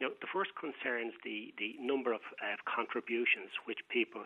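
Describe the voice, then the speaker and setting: Speaking with an Irish accent, a man keeps to a moderate pace. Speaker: pensions expert caller. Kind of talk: radio phone-in. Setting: phone call.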